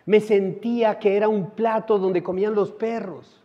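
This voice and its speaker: A middle-aged man preaching a sermon as pastor, telling a personal story with dramatic swings between loud and soft. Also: high voice, steady tone, normal speed. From Colombia. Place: church sanctuary. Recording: muffled church sound with long reverb.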